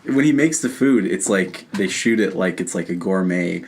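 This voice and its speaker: A man co-hosting a podcast, chatting casually about film and TV in a halting, rambling way and prone to laughing. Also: deep voice, animated, background noise. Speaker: podcast co-host.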